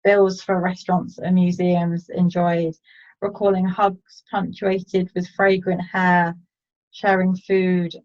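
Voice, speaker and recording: A woman reads her own poem calmly and reflectively, in a low voice that barely rises or falls. The sound is dull and lo-fi, like audio from a video call. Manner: calm, reflective reading. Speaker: poet. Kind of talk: poetry reading. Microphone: online video call.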